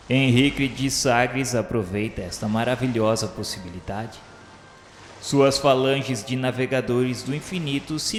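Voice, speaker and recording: A man's voice: medium pitch, slight background noise. A man with a Brazilian accent reading a solemn, literary radio novela narration in a formal, reverent, declamatory manner. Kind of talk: solemn scripted literary narration of a spiritual history. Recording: echoey reverberant hall sound, music underneath. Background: background music.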